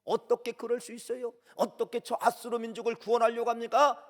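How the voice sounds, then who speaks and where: An angry prophet complains and protests in a high, indignant voice, as a preaching man puts him on. The words ring out through a church hall with long reverb. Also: level tone, brisk.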